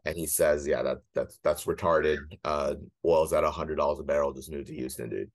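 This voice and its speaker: A man in his thirties with a very low-pitched voice tells his own story in casual conversation. He is matter-of-fact and dryly self-deprecating, like a guest laying out his career path. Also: fairly even intonation, fairly quick. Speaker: guest, former corporate lawyer.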